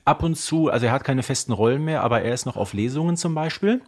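Slightly husky man, podcast co-host. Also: mid-range voice, lively intonation, fast. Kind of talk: casual conversational commentary.

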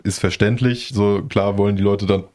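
A man with a fairly low voice talking casually about a video game. He rambles, thinks aloud and hedges with small fillers as he goes. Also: fairly even intonation, normal speed, a little mellow. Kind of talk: casual gaming chat.

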